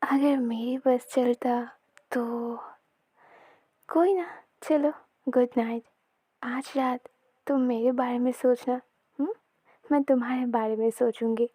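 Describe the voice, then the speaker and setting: A woman's voice: on the high side, steady tone, slow, long pauses, slightly rough, no echo. A woman voicing a tender young woman lover. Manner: soft, intimate, partly whispered.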